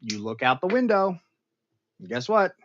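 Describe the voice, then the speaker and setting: A man hosting an online show, casually recapping a television episode for his live chat in an animated, storytelling manner with sudden dramatic outbursts. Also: sits high, moderate pace, dull audio. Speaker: show host reviewing an episode.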